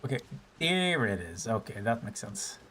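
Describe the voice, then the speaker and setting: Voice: medium pitch, sing-song, moderate pace, a bit bright, a little hiss or hum. A streamer giving casual gameplay commentary, chatting with viewers between frustrated yelps and swearing.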